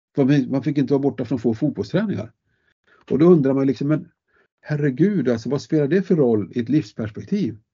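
A somewhat breathy man at a fairly quick pace. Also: lively intonation. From northern Sweden, Skellefteå area. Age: 70s. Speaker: sports science lecturer. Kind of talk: casual interview. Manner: talkative.

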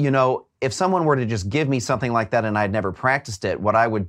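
A man talks at a very fast pace with a medium pitch and lively intonation. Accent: American. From US Southeast. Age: 40s. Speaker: video editor with Asperger's. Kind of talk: interview.

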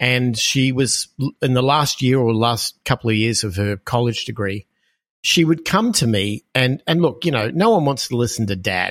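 In an Australian accent, a man talks at a moderate pace. The recording is very clean with a silent background. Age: 50s. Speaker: podcaster and website owner. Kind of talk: interview conversation.

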